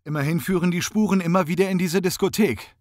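A man's voice: sits high, fast talker, darkish tone, no echo, clean studio sound, pitched above the performer's own voice, close to an everyday voice. A man voicing a blunt, intimidating male detective who plays the bad cop in an interrogation. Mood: gruff.

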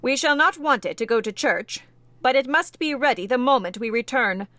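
A commanding gentleman on the morning of his wedding, read by a woman, barks short, brusque orders in a storybook reading. He sounds impatient and used to being obeyed. The delivery is a little louder and higher than the reader's usual voice. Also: lively intonation, moderate pace, no echo.

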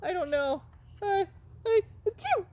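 A woman voicing an anxious young male elephant who keeps sneezing, in a high, squeaky, dramatic wail, read aloud for young children. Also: very animated, measured pace, a little mellow, heavily acted. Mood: distressed.

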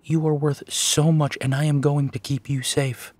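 An actor playing a gentle, protective male werewolf detective in an intimate audio roleplay, speaking softly and earnestly, with reassuring pauses. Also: fairly high pitch, level tone, dry recording, natural voice. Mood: tender, reassuring. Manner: slow, soft, reassuring, with pauses and sighs. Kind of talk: intimate second-person audio drama roleplay.

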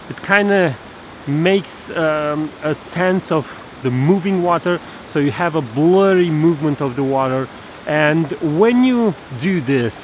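The photography instructor, in his thirties and speaking on the high side, teaches to a camera held at arm's length by a stream in a snowy forest. His step-by-step explanation includes fillers and restarts, captured in a low-quality outdoor recording full of rushing stream water.

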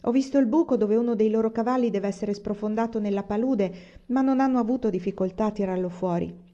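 A woman's voice: fast talker, dark tone, lo-fi sound, natural voice. A woman voicing a weary middle-aged pioneer father in a read-aloud story. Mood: steady. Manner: booming defiance against the storm.

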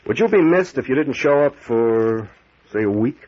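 An actor playing a brisk, authoritative investigating captain in an old-time radio drama, asking clipped, probing questions. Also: male voice, medium pitch, expressive, a little mellow, lightly acted. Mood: questioning, cool. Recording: muffled old radio recording.

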